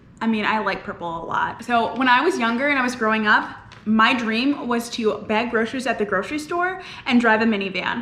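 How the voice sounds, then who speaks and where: A woman with a fairly high pitch and an energetic tone talks at a fairly quick pace with ordinary pitch variation, amid noticeable background noise and audible room echo. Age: 20s. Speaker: lifestyle vlogger. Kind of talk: casual vlog monologue.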